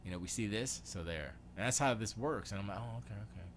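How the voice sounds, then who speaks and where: Fairly low in pitch and fast-talking, a man from Florida hosts a casual livestream while tinkering in his home studio. He thinks out loud, muttering questions to himself and trailing off mid-sentence, with slight background noise in the clip.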